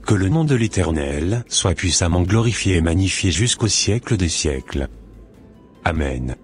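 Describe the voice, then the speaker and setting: A man's voice: sits low, expressive, unhurried. A man voicing a solemn, devout Christian in a cartoon, speaking in a formal, pious way. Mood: reverent. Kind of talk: scripted amateur Christian cartoon dialogue. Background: faint music.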